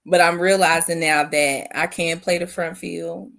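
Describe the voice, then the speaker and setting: Low, gravelly-voiced woman reflecting. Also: fairly even intonation, a little slow. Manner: thoughtful, repeats phrases, soft spoken. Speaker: guest, veteran and business owner. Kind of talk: reflective interview answers.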